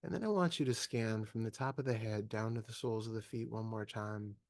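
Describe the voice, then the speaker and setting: Low-voiced man guiding a meditation, close and dry. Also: dry recording. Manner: calm, measured, with long pauses. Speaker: meditation teacher. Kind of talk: slow guided meditation.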